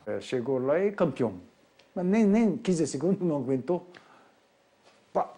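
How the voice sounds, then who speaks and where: A man's voice: fairly high pitch, big pitch swings, unhurried, dark tone. An older man from Japan with a Japanese accent, speaking simple, broken Portuguese with frequent tag questions in an interview. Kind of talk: documentary interview.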